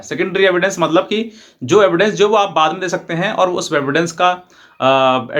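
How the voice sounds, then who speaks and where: Guy, lawyer explainer, voice a bit on the high side, repeats himself, drops in english legal words. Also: a bit bright. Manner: repetitive, explanatory, mixes in English legal terms. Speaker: advocate presenting legal advice videos. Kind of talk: informal explainer to camera.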